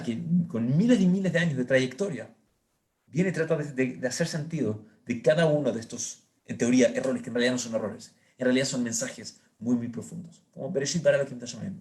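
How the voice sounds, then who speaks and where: A man with a Chilean accent, a rabbi teaching a Torah class, explaining with lively rhetorical questions to his listeners. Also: medium pitch.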